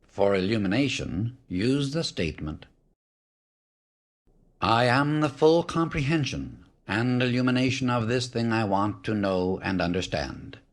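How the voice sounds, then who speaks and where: A man reading a spiritual audiobook as scripted narration, in a solemn, measured, declarative way. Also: lowish voice, big pitch swings.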